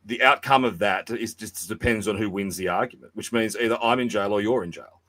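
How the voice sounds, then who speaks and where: An Australian man arguing forcefully and sardonically in a podcast debate, often repeating words as he goes. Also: lowish voice, brisk, background noise. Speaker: debate guest.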